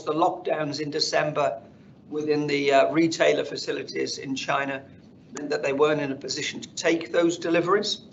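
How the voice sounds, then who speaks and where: A man speaking as a company finance executive, presenting slides on an earnings call in a measured corporate delivery. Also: on the high side, creaky, a bit bright. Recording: dull conference call audio, faint noise.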